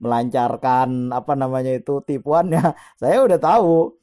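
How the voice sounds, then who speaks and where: A middle-aged man opens with Islamic greetings and a prayer, then casually tells a personal story, chuckling frequently. His voice is warm and medium-pitched at a moderate pace, and his manner is chatty.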